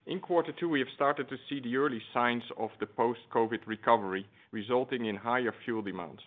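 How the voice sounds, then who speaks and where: A man's voice: medium pitch, a little fast. A man speaking as a company executive, giving a formal, businesslike scripted earnings presentation over a conference phone line. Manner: formal, businesslike corporate delivery. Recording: tinny, band-limited conference phone line.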